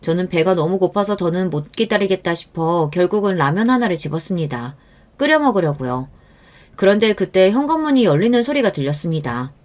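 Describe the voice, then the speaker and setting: A woman reads a first-person true-life story aloud. Her manner is reflective and measured throughout. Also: on the low side, lively intonation, darkish tone. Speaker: narrator.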